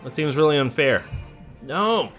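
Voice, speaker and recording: A gamer with a slightly high, somewhat bright voice narrates his play expressively and at a measured pace. He thinks out loud and speaks to the characters in a casual let's play, with soft music behind him.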